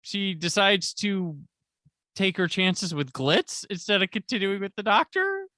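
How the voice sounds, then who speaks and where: A man's voice: high-pitched, very animated, measured pace, sharp tone, dry recording, clean studio sound. A man hosting a podcast in casual chat, recapping an episode with enthusiasm and jokey asides into a podcast microphone. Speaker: podcast host.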